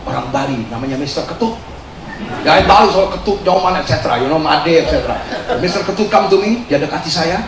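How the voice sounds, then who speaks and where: Animated pastor in an echoing church. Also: male voice, a little high, fairly quick. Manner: animated, laughing, mixing in English. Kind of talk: sermon. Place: large church hall. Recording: echoey hall, distant mic, audience noise.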